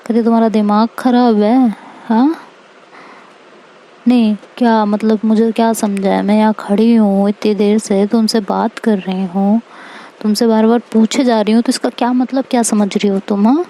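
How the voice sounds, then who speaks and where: A sharp-tongued young woman fires off indignant questions one after another in a raised voice that still sounds mellow and soft-edged, voiced by a woman narrator. Her scolding comes out quick and pointed. It is a spoken love-story reading. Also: a little high, fairly even intonation, close to an everyday voice. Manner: scolding, rapid rhetorical questions.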